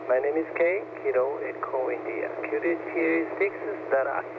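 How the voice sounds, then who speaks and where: A man with a Japanese accent answers a call over a tinny, noisy shortwave radio transmission. He speaks in measured, formal radio phrasing. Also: fairly high pitch. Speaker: radio show director answering a demo call. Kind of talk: scripted ham radio exchange in English. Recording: tinny radio band with static.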